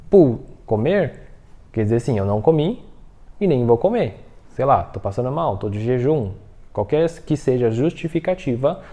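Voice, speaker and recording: A man teaching a Mandarin lesson, explaining patiently, checking in with the listener often and saying example phrases slowly. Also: medium pitch, dark tone. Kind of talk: online language lesson.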